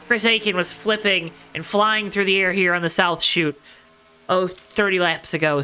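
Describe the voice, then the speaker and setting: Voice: mid-range voice, sharp tone, smooth. A motorsport commentator calling a race live, with dramatic, emphatic repetition and colorful phrasing. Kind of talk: live play-by-play racing commentary.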